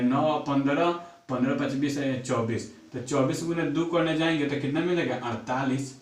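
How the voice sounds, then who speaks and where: A man teaching a math lesson, counting sums aloud and asking himself questions before answering them. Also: medium pitch. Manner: repeats numbers aloud while working sums, asks and answers own questions. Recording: echoey room, far from mic.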